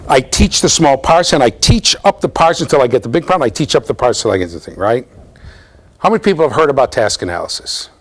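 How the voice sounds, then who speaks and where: Middle-aged male professor, lively classroom lecturer, mid-range voice, keeps checking in with students. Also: mid-range voice, fast, poor audio. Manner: animated, explaining with frequent "okay?" and "right?" checks. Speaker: university lecturer. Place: classroom with bookshelves.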